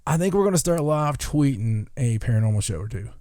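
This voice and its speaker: A man's voice: mid-range voice, animated, a little fast, dark tone, no echo, studio quality. A man hosting a podcast in casual, rambling, jokey chat, full of enthusiasm. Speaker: podcast host.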